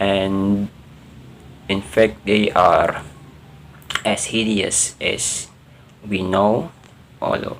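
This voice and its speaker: Amid noticeable background noise, a man talks at a very slow pace with long, frequent pauses, his fairly low pitch carrying a fairly even intonation. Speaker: book reviewer. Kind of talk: casual review. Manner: hesitant, many fillers.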